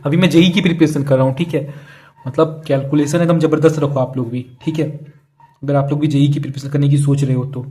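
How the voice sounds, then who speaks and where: A man's voice: fairly high pitch, darkish tone. A young man teaching a casual math lesson online, chatty and repeating each key step as he works through problems. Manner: chatty, repeats key steps, calls students "yaar" and "bhai". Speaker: math tutor.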